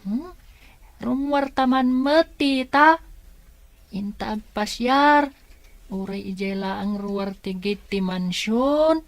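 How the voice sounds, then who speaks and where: A curious child with a fairly high, unhurried voice and a Filipino Ilocano accent, acted by a woman. The child coaxes and pleads in audio drama style, in a dry recording. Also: no echo. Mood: pleading.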